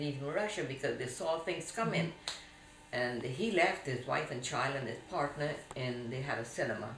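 Speaking at a moderate pace, a woman with a very deep, low pitch uses lively intonation, with audible room echo and light background noise. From Guyana. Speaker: grandmother telling family history. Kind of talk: interview answer. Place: home room. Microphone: camera far.

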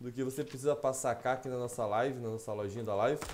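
A man speaks over light background noise. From southern Brazil. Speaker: gaming streamer. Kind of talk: casual livestream chat with viewers. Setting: live stream with screen share. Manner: animated, chatty. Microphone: headset.

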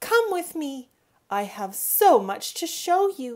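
A woman puts on a character voice, pitched high, with big swings in pitch. She talks at a slow pace in a slightly mellow tone.

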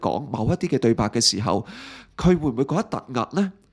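With vocal fry and lively intonation, a man talks at a fairly quick pace in a very clean recording with a silent background. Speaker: film commentary youtuber. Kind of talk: casual monologue. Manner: halting, many filler sounds.

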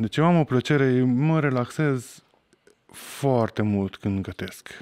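A man with a Hungarian accent speaks at a very slow pace with ordinary pitch variation. The sound is dry with no echo, and the background is quiet. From Szekler Land, Romania (Târgu Secuiesc); Romania. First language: Hungarian (speaking Romanian). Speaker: film crew member and cook; podcast guest. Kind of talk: casual chat. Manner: halting. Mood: relaxed, storytelling. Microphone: studio mic.

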